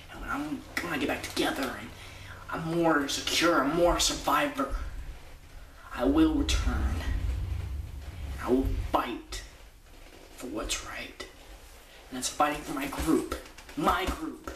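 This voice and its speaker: A man speaks fairly slowly with long, frequent pauses and big swings in loudness, amid audible room echo and light background noise. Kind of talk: dramatic monologue. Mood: earnest, determined, somewhat sad. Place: home room. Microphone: phone near.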